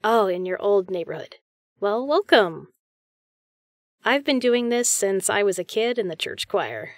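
A woman's voice: medium pitch, very animated, measured pace, no room sound, clean studio sound. A woman playing a friendly, chatty, reassuring female caroler in a one-sided roleplay audio conversation. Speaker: voice actor.

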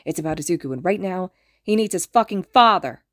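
A woman voicing a furious, foul-mouthed woman in an audiobook story, snapping forcefully and emphatically. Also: lowish voice, lively intonation, moderate pace, no room sound, studio quality, close to an everyday voice. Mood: furious, pleading.

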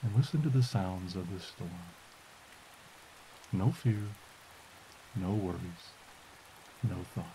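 A man softly and slowly guiding a meditation as podcast host, in a soothing delivery. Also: sits low, animated, low-quality recording. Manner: soft, slow, soothing delivery. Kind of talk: guided meditation. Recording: hiss and rain noise. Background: rain.

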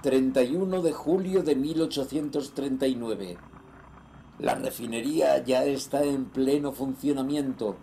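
An actor playing a greedy, ruthless nineteenth-century sea trader, reading his journal in a measured, solemn and theatrical way for a horror audio drama. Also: medium pitch, vocal fry, dark tone, a little hiss or hum. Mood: smug, greedy.

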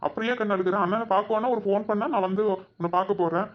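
Speaking very fast in a steady, high-pitched, natural voice, a man performs cartoon voice acting as a doting village brother. He fusses protectively and soothes with repeated terms of endearment, captured in dull lo-fi audio.

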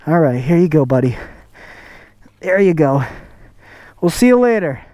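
A motovlogger chatting casually while riding, with a relaxed, rambling way of talking full of fillers, recorded outdoors on a helmet microphone. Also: medium pitch, measured pace, no echo. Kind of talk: casual riding vlog chat. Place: outdoors, riding a motorcycle on a road. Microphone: helmet-mounted microphone. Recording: road and engine noise behind.

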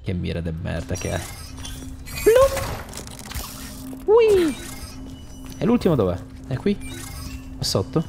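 A young man giving casual gameplay commentary, animated, swearing often and yelling at enemies, then muttering while he searches. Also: low voice, fairly quick, creaky. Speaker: gaming channel host. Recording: game music behind the voice.

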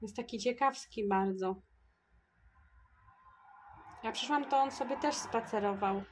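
A woman with a high voice talks in an unhurried, easygoing way, as if to friends. She thinks aloud while putting groceries away in her kitchen, with a chatty vlogger's manner. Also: slight background noise. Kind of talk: casual chat to viewers. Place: home kitchen.

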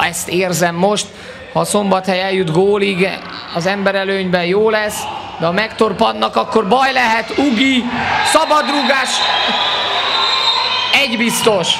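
A man commentates live on sport in an excited, exclamatory way. His voice sits high and has a gravelly creak to it. Clear hall noise surrounds him. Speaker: futsal match commentator.

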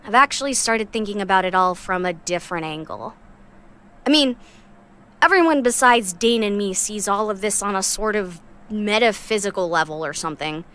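A woman's voice: medium pitch, moderate pace, a bit bright, clean tone, close to an everyday voice. An actress playing a guarded, sarcastic young woman who scavenges parts, talking bluntly in an audio drama. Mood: reflective. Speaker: parts sourcer.

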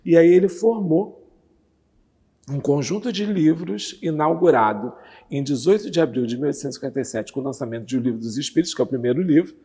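A man in his fifties, a guest on a TV interview, calmly explaining a religious doctrine with lively hand gestures, on a lapel mic in a curtained studio. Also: on the high side, fast talker, slightly rough, long reverb tail. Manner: animated, gestures with both hands while talking. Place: TV studio with red curtain backdrop.

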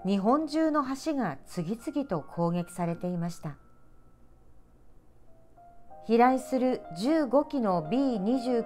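A middle-aged woman presenter speaking to children in clear, polite, measured announcer diction, as in a picture-book read-aloud. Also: on the high side, a little mellow. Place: small indoor room with sofa.

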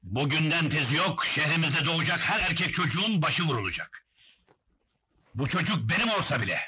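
A man's voice: a little high, animated, fairly quick, bright, forceful tone, husky, exaggerated voice. An actor playing a ruthless, paranoid god-king, imperious and commanding, in an old historical film. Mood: furious. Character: ruthless, paranoid male tyrant worshipped as a god.

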